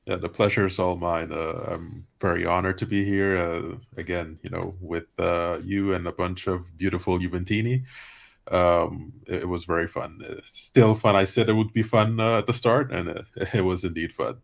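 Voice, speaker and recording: A man with a deep voice, a guest on a casual live stream, easygoing and quick to laugh. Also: steady tone, gravelly.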